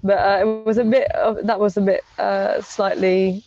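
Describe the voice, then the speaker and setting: A woman's voice: medium pitch, level tone, normal speed, warm tone, a little hiss or hum. Young woman guest, casual and chatty, on a dull lo-fi video call line. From England. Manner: chatty, many restarts and fillers. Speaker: podcast guest. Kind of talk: casual interview chat. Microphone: earphone mic on a video call.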